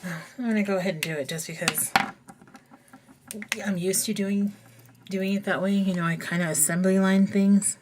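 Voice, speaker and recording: A woman's voice: medium pitch, steady tone, moderate pace, pauses often, noisy background. A woman with a slightly froggy voice, chatting casually and thinking aloud as she demonstrates a coloring technique in a voice-over. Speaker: coloring tutorial host.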